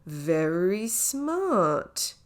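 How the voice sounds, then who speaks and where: A woman's voice: fairly low pitch, big pitch swings, very slow, full character voice. A woman voicing a vain male small-town police sergeant who muses aloud in an audiobook. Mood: musing, impressed. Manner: musing aloud to himself.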